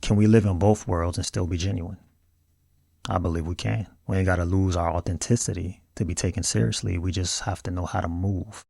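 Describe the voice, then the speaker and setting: A low-voiced man with an African American accent hosts a video essay. His delivery is earnest and colloquial, with gravelly fry, recorded close and dry. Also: fairly even intonation, a little fast, dark tone, no echo. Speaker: video host. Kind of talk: scripted video essay commentary.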